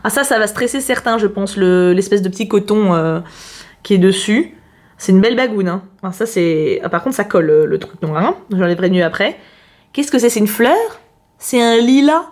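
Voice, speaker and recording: A woman's voice: medium pitch, animated, normal speed, a little mellow. A woman talking casually as she unboxes a parcel on camera, chatty and exclamatory, thinking aloud as she goes. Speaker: YouTuber host.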